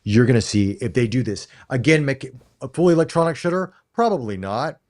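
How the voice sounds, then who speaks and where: A man's voice: mid-range voice, lively intonation, a little fast, darkish tone. A middle-aged American man co-hosting a casual live-stream chat, talking emphatically and often restarting his phrases. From United States. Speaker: co-host.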